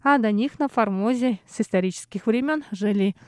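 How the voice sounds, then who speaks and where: A woman hosting a radio program, reading a scripted feature in a measured, even newsreader manner. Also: a little high. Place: radio studio. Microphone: studio microphone.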